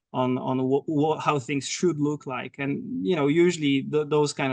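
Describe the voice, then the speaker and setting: A man with a non-native accent speaks at a moderate pace and fairly high pitch, with ordinary pitch variation. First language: not English. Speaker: spiritual teacher. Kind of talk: casual chat. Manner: halting, many repetitions.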